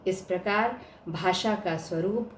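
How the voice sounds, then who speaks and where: A woman's voice: mid-range voice, takes it slowly. A woman giving an academic lecture, explaining each point and stressing words to show examples. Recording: echoey room with faint hiss.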